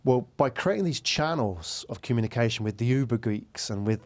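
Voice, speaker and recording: A man's voice: medium pitch, lively intonation, a little fast. A man hosting a conversational business podcast interview in a studio, often checking agreement as he talks.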